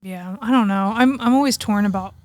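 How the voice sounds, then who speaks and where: A woman's voice: medium pitch, fairly quick, a little mellow, no room sound, studio quality. A woman co-hosting a podcast in casual chat, laid-back, with short slangy replies. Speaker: podcast co-host. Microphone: close podcast microphone, dry sound.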